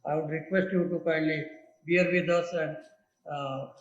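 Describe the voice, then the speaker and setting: A man's voice: a little high, fairly even intonation, normal speed. A man chairing a webinar session, introducing the speaker with polite, formal requests. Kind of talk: formal moderating. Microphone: video call. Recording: echoey, dull call audio with hum.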